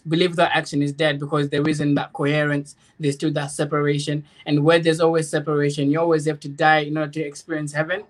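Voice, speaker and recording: A man's voice: on the high side, flat delivery, fast talker, few pauses. A man in an informal spiritual discussion, explaining earnestly in a rambling way, repeating phrases and checking that he is understood. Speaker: guest, author.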